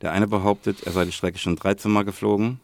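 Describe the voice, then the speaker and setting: Man, gravelly low voice, casual podcast chat, deliberate, thinking aloud. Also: flat delivery. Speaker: podcast co-host.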